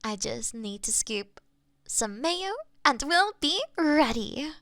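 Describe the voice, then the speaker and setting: A woman's voice: on the high side, big pitch swings, slow pace, bright, forceful tone, dry recording, studio quality, full character voice. A woman playing a doting, playful cat owner in an intimate roleplay, cooing affectionately at her pet. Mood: gently scolding. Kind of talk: roleplay audio, intimate one-sided scene. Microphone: close binaural microphone.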